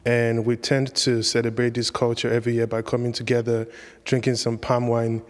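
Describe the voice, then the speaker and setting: Flat-toned man, fluent. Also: medium pitch, normal speed. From Nigeria. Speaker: interviewee. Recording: long reverb.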